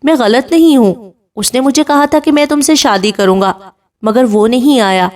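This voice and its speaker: A woman's voice: on the high side, darkish tone, recorded from a distance, lightly acted. A woman reading as a tearful pleading young woman. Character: heartbroken young woman pleading for her lover.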